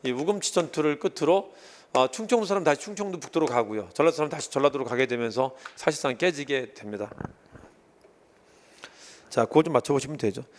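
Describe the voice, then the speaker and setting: A man explains exam history questions at a rapid clip in a casual, chatty way. His voice sits a little high and rises and falls a lot as he acts out scenes. The delivery is quick and loose, like a tutor in mid-flow. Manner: animated, casual, acts out quoted lines. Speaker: history lecturer. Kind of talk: exam-prep lecture.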